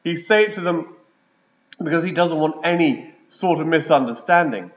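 A man, a priest, reading the gospel and preaching in a measured liturgical way, his voice ringing with the echo of a large church. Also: fairly high pitch. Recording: echoey church, dull lo-fi sound.

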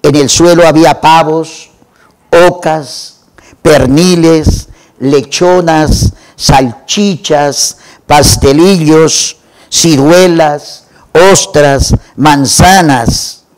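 A man retelling a classic novel for a literature program, in a measured way and lingering over lists. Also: fairly high pitch. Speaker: literature presenter.

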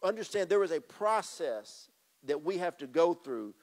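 A middle-aged pastor's fairly high, slightly mellow voice carries expressively at normal speed as he preaches into a handheld mic. He moves about a church stage with a drum kit, gesturing, repeating phrases emphatically and addressing the congregation.

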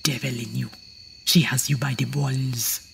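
An actress playing a blunt, superstitious old island woman with a gravelly, whispery voice in an audio horror drama. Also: rumbling low, fairly even intonation, a little slow, slight background noise, full character voice. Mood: scolding, dark. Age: older.

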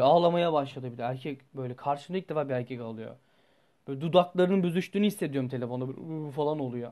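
Animated, foul-mouthed young man telling a story. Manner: animated, blunt and profane, with sudden jumps in pitch and loudness. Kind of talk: casual storytelling vlog.

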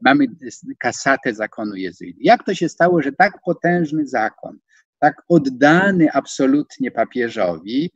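A man in his sixties giving an online lecture from a home study, hesitating with many fillers and stressing words with rising pitch. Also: lively intonation, moderate pace, no echo. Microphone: video call. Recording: dull, dry video-call audio.

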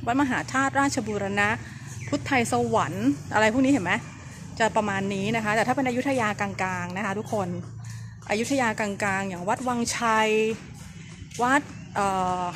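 This travel vlogger has a fairly high voice and a moderate pace, chatting softly as she tours a temple outside. It's an overcast day, and her casual guided-tour talk comes through a noisy outdoor recording.

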